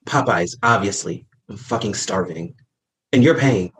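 A man's voice: on the low side, animated, a little slow, a bit bright. A man reading the part of a campy, dramatic young gay man who was just dumped, in a comedy script reading, profane and theatrical. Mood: sassy. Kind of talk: comedy script table read.

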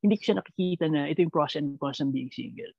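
A Filipino man answering reflectively in conversational Taglish, mixing Tagalog and English, halting and repeating words as he thinks aloud with a creaky voice. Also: on the high side, darkish tone, no room sound, muffled recording.

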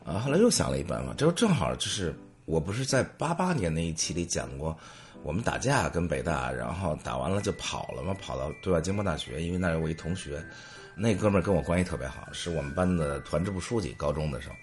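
A man's voice: deep voice, lively intonation, quick pace. A middle-aged man, hosting and telling humorous anecdotes in a storytelling monologue.

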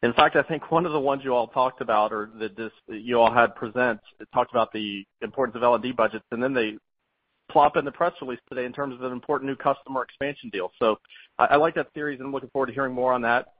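Male analyst caller, thin telephone sound, dry, chatty and rambling, mid pitch. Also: steady tone, fast, no echo. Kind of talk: informal question on an earnings call. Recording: thin phone line, very dry.

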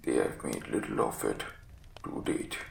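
A man voicing a gravely ill but masterful detective in a weak, breathy croak, giving clipped, imperious orders in a story reading. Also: a bass voice, lively intonation, measured pace, reverberant, far from the mic, voice pushed down, heavily acted. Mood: feverish, rasping. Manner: imperious, clipped commands with coughing.

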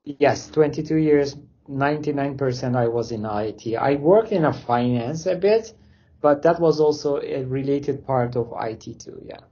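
A man's voice: medium pitch, normal speed, warm tone, slightly rough, lo-fi sound. A man from Turkey speaking English, answering interview questions casually with loose phrasing and many fillers. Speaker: interview guest, company founder.

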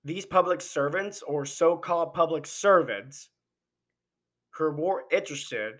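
This podcast host has a fairly high, somewhat bright voice, animated yet measured in pace. He delivers an impassioned, opinionated political monologue packed with rhetorical questions, all while losing his voice.

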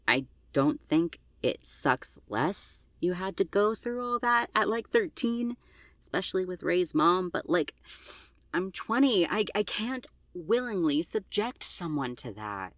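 A woman acting in an audio drama as an anxious, gentle twenty-year-old driver, hesitant and earnest, with stammered starts. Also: on the low side, very animated, takes it slowly, dry recording, clean studio sound, heavily acted. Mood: anxious, distressed.

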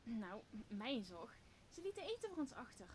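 A woman's voice: on the high side, very animated, normal speed. A young woman playing a dim, nervous and eager sidekick in an audio drama. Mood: amazed. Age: young adult. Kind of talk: Dutch audio drama of Shakespeare. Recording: noisy background.

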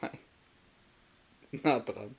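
A man hosting a podcast, casually retelling a sitcom episode, often laughing and acting out the characters' lines. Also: drawn-out words. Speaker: podcast host.

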